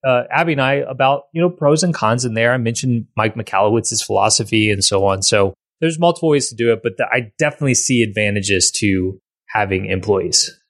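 A man's voice: fairly low pitch, a little fast, dry recording. Rambling male podcast host, dry sound. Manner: rambling, frequent restarts and repeated words. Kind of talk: casual podcast conversation.

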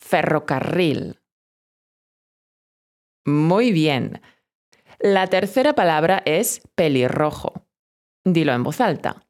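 A woman giving a scripted vocabulary lesson, drilling pronunciation slowly and encouraging the learner directly. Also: low voice, expressive, a little mellow. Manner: slow, careful pronunciation drills. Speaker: Spanish teacher.

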